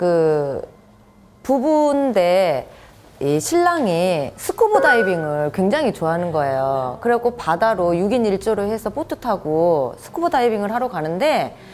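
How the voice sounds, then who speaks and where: In a Jeolla accent, a woman speaks at a fairly slow pace. Her pitch swings very widely. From Jeolla, Korea. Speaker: shaman. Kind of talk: talk show chat.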